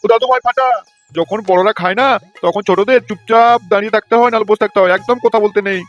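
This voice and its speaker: A man's voice: high voice, fast talker, muffled recording, faint music behind, natural voice. A man voicing a gluttonous, self-satisfied old grandfather in a comedy cartoon. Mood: greedy, gloating.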